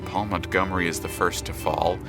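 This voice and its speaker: A man narrating an audio drama from a script in a measured, dramatic, storybook-like manner. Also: deep voice, steady tone, creaky, music in the background.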